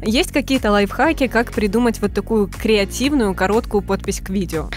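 A woman's voice: mid-range voice, normal speed, soft background music. A woman in her twenties hosting a radio interview, asking questions in a light, playful way into a studio microphone. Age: 20s. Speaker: radio host. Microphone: large studio mic on boom arm, wearing headphones.

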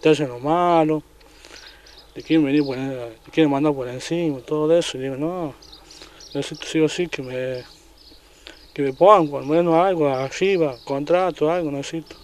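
Halting Argentine man, slightly high voice. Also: a little hiss or hum. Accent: Argentine Spanish. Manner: halting, many restarts and repeated words. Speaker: traffic agent interviewed. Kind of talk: casual recounting in an interview. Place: at home.

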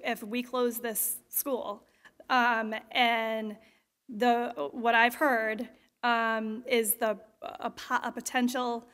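Flat-voiced woman at a podium in a big hall. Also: on the high side. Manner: measured, hesitant, many fillers. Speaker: resident speaking at public comment. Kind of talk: public comment at a meeting. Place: large school auditorium. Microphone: podium microphone. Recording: long hall reverb.

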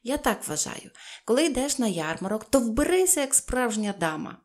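A woman's voice: fairly high pitch, big pitch swings, moderate pace, darkish tone, pitched above the performer's own voice. Bold, cheerful storybook girl, grand exclamations; a woman reader voices her. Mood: playfully grand. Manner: showy, exclaiming, playfully grand. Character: bold cheerful little red-haired girl.

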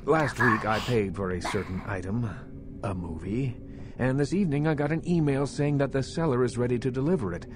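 An actor playing a middle-aged vampire baron in a video game, measured, businesslike and self-assured. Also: male voice, mid-range voice, lightly acted. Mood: measured, authoritative. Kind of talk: video game dialogue acting. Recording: game audio with loud music behind.

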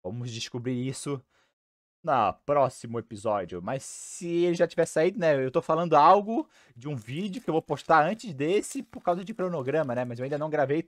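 A young man from Brazil hosting a card-opening video at home, talking casually through a headset while his voice is going hoarse. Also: on the high side, no room sound, clean studio sound. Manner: chatty, excitable, repeats himself. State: losing his voice. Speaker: card-opening channel host. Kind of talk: casual unboxing chat. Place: small room at home, indoors.

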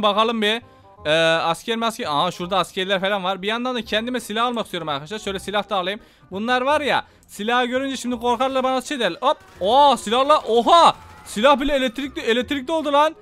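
A young man commenting excitedly on a game he is playing, talking to viewers and taunting enemies. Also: extremely high pitch. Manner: excitable, banters with enemies, addresses viewers as friends. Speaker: gaming YouTuber. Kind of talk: Let's Play commentary.

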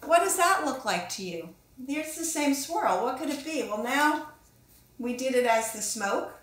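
A woman in her fifties with a fairly high voice speaks casually to young children as an author and illustrator giving a lesson. She thinks out loud and encourages them with questions. The room around her is clearly echoey. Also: lively intonation, unhurried. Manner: encouraging, musing aloud with questions to the viewer. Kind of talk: casual instructional talk to children. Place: small indoor room with echo.

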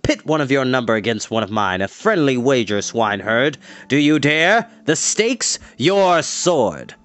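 A man voicing a cruel, cocky brigand leader in an audiobook, taunting and menacing with theatrical, drawn-out delivery. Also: medium pitch, very animated, a bit bright. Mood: taunting challenge.

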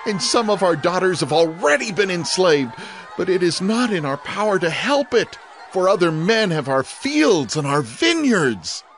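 A man's voice: high-pitched, very animated, moderate pace, fairly bright tone. A man playing a distressed, impoverished villager pleading passionately in a dramatized scripture reading. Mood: anguished protest. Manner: pleading, impassioned.

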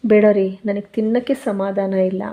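A woman's voice: mid-range voice, fairly even intonation, moderate pace, lo-fi sound, natural voice. A woman voicing a dejected young wife who refuses food and pleads that she is worthless. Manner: plaintive, self-pitying.

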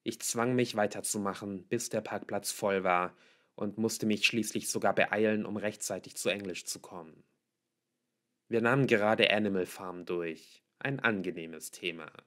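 A man's voice: lowish voice, fairly even intonation, moderate pace, fairly bright tone. A man reading a novel aloud as scripted audiobook narration. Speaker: audiobook reader.

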